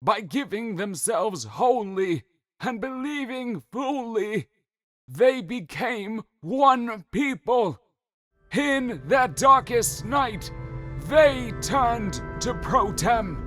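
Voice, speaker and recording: A zealous chronicler in a fantasy audiobook, preaching the founding legend to the faithful, played by a man, his reverent voice swinging widely and slowly. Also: very high voice, very animated, fairly bright tone, faint music behind, pitched above the performer's own voice, heavily acted. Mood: fervent, reverent. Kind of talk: dramatic scripted narration.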